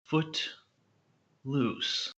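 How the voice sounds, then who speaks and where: Bright-voiced, earnest pompous space hero. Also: male voice, extremely slow, dull audio. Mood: puzzled, earnest. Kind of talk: audio comedy drama acting.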